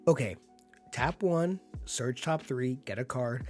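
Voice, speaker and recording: Slowly and animatedly, a man getting over sickness narrates a card game play by play in an easygoing, upbeat way, laughing often. His mid-range voice is slightly hoarse and darkish, and faint music plays behind him.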